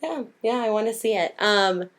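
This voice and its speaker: Female podcast co-host, casual and giggly, mid-pitched voice roughened by a cold. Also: lively intonation, moderate pace. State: hoarse from a cold. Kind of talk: casual chat.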